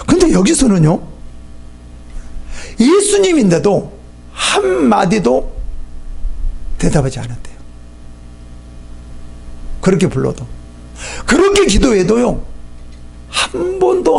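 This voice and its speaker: Male pastor, sermon delivery, very gravelly and husky, pitched high for a man. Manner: animated, acts out the voices of people in the story.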